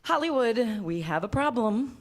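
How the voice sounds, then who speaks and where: A woman's voice: on the high side, lively intonation, a little slow, a loud crowd. A woman playing a prim, pedantic scholar of Greek culture in a staged comedy reading, speaking formally and precisely. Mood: dry, explanatory.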